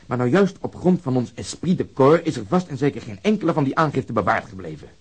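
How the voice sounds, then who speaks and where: An actor playing a blunt, bitter police officer in a radio drama, with a husky, emphatic delivery. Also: male voice, medium pitch, very animated, quick pace, a little mellow. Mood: cynical.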